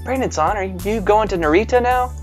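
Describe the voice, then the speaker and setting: A man voicing a frail, gentle young woman patient in a game, speaking softly and hesitantly. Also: high-pitched, fairly quick, soft background music, pitched above the performer's own voice, close to an everyday voice. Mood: timid, polite. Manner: soft, hesitant and polite.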